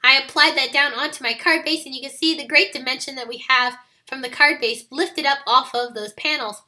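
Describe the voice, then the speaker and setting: A woman with a raspy, scratchy voice after being sick, recording a friendly step-by-step voiceover for a card-making tutorial. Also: sits high, fairly quick, pushed and bright. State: raspy voice from recent illness. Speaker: card-making video host.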